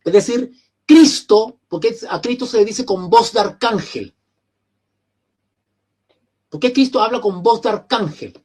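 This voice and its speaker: A Chilean man teaching an online theology lecture, often repeating phrases, clearing his throat and putting questions to his students. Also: high voice, measured pace, long pauses, a little mellow. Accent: Chilean Spanish.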